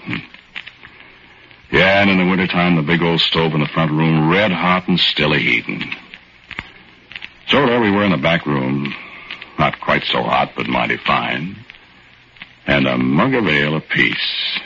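An actor playing an easygoing working man who narrates his own story. He tells it in a folksy, relaxed way, in 1940s radio acting. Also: very deep voice, unhurried, long pauses, slight background noise, full character voice. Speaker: narrator and lead character. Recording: dull lo-fi old radio recording with music.

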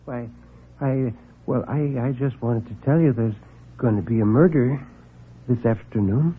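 A man's voice: medium pitch, unhurried, slightly rough. A man voicing a timid, nervous little man who stammers and apologizes, on a lo-fi 1940s radio broadcast.

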